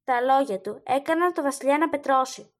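A woman reading a story aloud as narrator, in a steady storytelling manner. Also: high-pitched. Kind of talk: audiobook narration.

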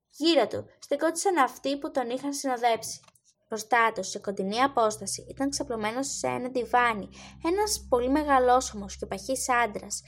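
A woman reading a story aloud as narrator, in a steady storytelling manner. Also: sits high. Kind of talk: audiobook narration.

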